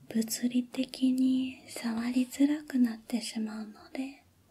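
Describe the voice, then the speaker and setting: Soft-spoken and dark, mellow in tone, the voice moves at a very slow pace against light background noise. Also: woman. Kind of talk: soft-spoken roleplay talk to viewer. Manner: soft, hushed ASMR role-play voice.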